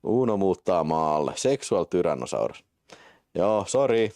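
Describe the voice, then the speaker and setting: A man streaming live to his viewers, casual and quick to swear, laughing at his own mistakes. His voice rises and falls widely, and he breaks into high, excited play-by-play when the match starts. The sound is dry and close to the mic. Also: no room sound. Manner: swearing, self-mocking, jumps to excited high-pitched play-by-play. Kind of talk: casual live-stream chat and game commentary.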